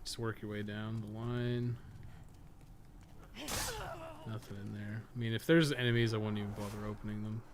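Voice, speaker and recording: A man's voice: fairly low pitch, fast talker. A man giving casual gameplay commentary, rambling and thinking aloud, with casual swearing. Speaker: podcast co-host playing a game. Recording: clear steady background noise.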